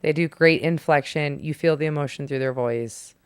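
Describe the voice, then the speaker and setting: Female podcast host, low smooth voice, dry close sound, brisk lead. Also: no room sound. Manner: brisk, leads the segment, laughs often. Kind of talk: casual chat.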